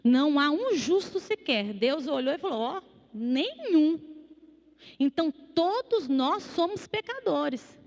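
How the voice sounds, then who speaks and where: Brief: high-pitched female preacher, lively sermon with acted-out voices, long church reverb. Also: unhurried. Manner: animated, acts out quoted voices. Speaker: psychologist preaching. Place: church hall.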